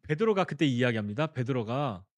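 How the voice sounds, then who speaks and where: Delivering a sermon, a male pastor narrates the story and questions his congregation, performing the quoted lines as he goes. He speaks briskly and expressively at a medium pitch. The sound is dry and clean, studio-made.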